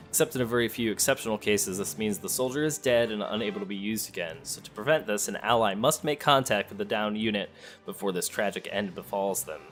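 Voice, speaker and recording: Low-voiced man doing game commentary. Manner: thinking aloud, talking to game characters. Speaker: let's play host. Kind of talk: casual gameplay commentary, sometimes reading game text aloud.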